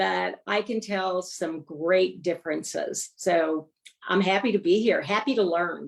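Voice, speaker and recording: Speaking fairly slowly in an American accent, the voice carries vocal fry and ordinary pitch variation. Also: woman, medium pitch for a woman. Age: 70s. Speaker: guest. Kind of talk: live stream interview.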